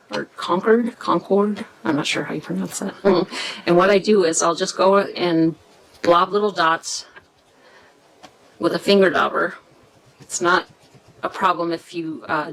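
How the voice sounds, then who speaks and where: A woman hosting a casual craft tutorial, chatty and hesitant, often pausing to search for words. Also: on the low side, gravelly, slight background noise, rough recording. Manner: chatty, self-deprecating about pronunciation.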